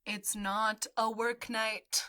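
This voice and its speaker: A woman acting in an audio drama as an easygoing, playful courier with an unhurried, teasing way of talking. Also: fairly high pitch, flat delivery, pushed and bright.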